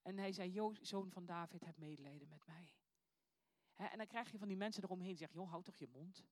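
A woman's voice: on the low side, fast talker, a little mellow, no echo. A woman reading scripture aloud and then giving an earnest, reflective sermon that poses searching questions to her listeners. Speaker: preacher.

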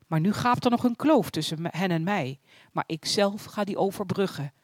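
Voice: medium pitch, expressive, moderate pace, dry recording, studio quality, natural voice. A reader doing the solemn, commanding Lord. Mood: proclaiming. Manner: proclaiming, solemn. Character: almighty male God, solemn and commanding.

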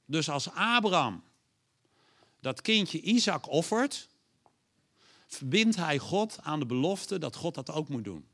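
A man preaching a sermon, lively and animated, acting out God's lines in a raised voice and putting questions to the audience. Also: on the high side, slow pace, pauses often.

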